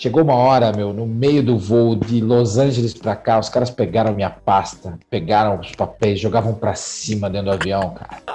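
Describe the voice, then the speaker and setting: A man speaks at a moderate pace with hardly any pauses, medium pitch and ordinary pitch variation. Noticeable background noise runs underneath. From São Paulo state interior, Jundiaí. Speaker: former footballer turned sports commentator. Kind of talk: casual interview chat.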